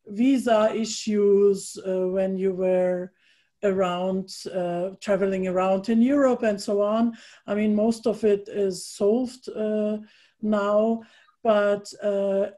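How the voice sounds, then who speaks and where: Slow, mellow-voiced German woman. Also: medium pitch. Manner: slow, thoughtful, many pauses and fillers. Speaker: interviewer host. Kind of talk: casual video interview.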